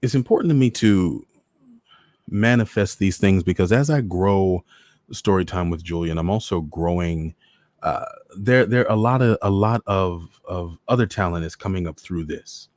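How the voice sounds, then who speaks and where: A man's voice: low-pitched, normal speed, a little mellow, dry recording. An American man hosting a live online show, chatting casually to his viewers and repeating phrases for emphasis. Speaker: host of a live online story-reading show. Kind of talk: casual livestream chat to viewers.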